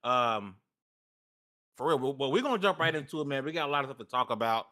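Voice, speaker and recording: A man's voice: mid-range voice, animated, fast, bright, forceful tone. A man in his thirties hosting a casual gaming podcast, often restarting words as he runs the panel. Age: 30s. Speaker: podcast host.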